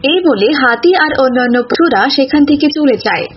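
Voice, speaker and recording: A woman's voice: sits high, expressive, fairly quick, faint music behind. A woman narrator reading a scripted children's animal tale in storybook style. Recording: dull lo-fi audio, clear noise.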